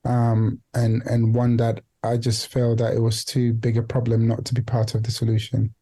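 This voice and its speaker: A man with a dark, relaxed tone and a middling pitch talks as a podcast guest. He is reflective and hesitant, often restarting a phrase or dropping in "you know" while he works out his point. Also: normal speed. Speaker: guest, founder and CEO of a non-profit organization. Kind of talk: reflective podcast interview talk.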